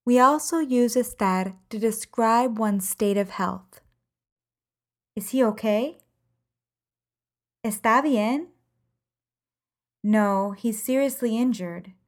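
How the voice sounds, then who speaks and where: A woman teaching a language lesson podcast, reading example sentences in measured, carefully enunciated phrases. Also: on the high side. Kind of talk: slow, clear podcast lesson.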